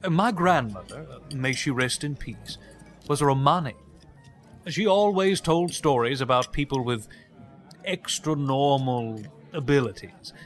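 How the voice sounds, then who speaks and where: A man's voice: mid-range voice, expressive, measured pace, faint music behind, close to an everyday voice. An actor playing an eager man fascinated by the supernatural in an audio drama, enthusiastic and rambling.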